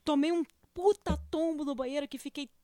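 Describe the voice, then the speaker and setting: A woman's voice: high-pitched, steady tone, a little fast, warm tone. A married Brazilian woman co-hosting a podcast, telling self-mocking comic stories. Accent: Brazilian Portuguese. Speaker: podcast co-host. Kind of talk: casual chat.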